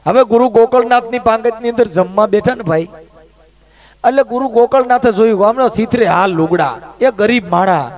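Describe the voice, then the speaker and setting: A middle-aged storyteller with a fairly high pitch. He talks in a chatty, earthy way and acts out the characters as he goes. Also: moderate pace. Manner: rustic, chatty, acts out quoted voices. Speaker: folk humorist. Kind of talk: folk storytelling with comic asides.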